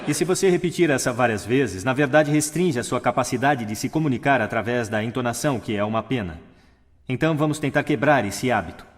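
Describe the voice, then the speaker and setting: Expressive man speaking in a reverberant hall. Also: fairly quick. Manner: demonstrates vocal register, pace, pitch and volume shifts. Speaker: speaker giving a talk on stage. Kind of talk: public talk on speaking. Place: large hall with audience.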